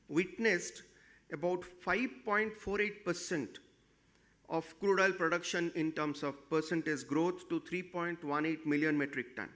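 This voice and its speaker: A man with an Indian accent, a company executive giving a formal prepared results presentation in measured, halting phrases. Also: a little high, fairly bright tone.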